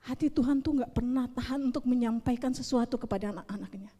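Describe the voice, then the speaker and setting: A woman preaching a sermon at a youth service, swinging between loud urging and hushed, near-whispered prayer. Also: fairly high pitch, fast, in a large hall.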